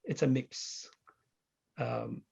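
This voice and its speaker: A middle-aged man with an Iranian accent, a native Farsi speaker, answering interview questions reflectively and haltingly as he searches for words. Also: medium pitch, vocal fry, a little mellow, husky. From Iran. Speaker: author being interviewed.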